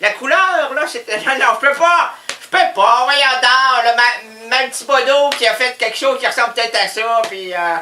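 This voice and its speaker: A man's voice: very high voice, normal speed, hardly any pauses, roomy sound, slight background noise, full character voice. A man voicing a rambling, scatterbrained older housewife with a Quebec French accent in a radio comedy sketch. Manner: rambling, scatterbrained, prone to sudden shouts. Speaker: comic character caller.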